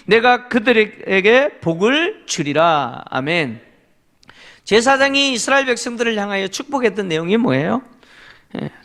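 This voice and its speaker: A man's voice: sits high, a bit bright. A middle-aged man preaching a Korean sermon as pastor, emphatic, asking the congregation rhetorical questions and affirming with short interjections. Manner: leads congregation in reading scripture aloud.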